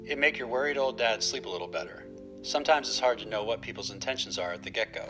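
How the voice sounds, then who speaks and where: An actor playing a worried, protective older father in an audio drama, gently cautioning and a little hesitant. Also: medium pitch, expressive, fast, over music, lightly acted. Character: worried, protective older dad, homebody tinkerer. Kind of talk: naturalistic audio drama acting.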